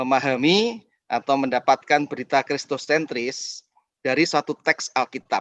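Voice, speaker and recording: A man talks in a dry, close sound with no echo, keeping a moderate pace. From Central Java, Indonesia (Magelang). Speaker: pastor. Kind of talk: lecture.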